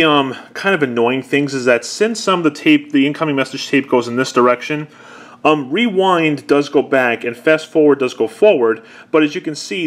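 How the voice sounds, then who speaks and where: A man's voice: mid-range voice, a bit bright. A man talking casually and unscripted, explaining a product step by step in a conversational way. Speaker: presenter demonstrating an old answering machine.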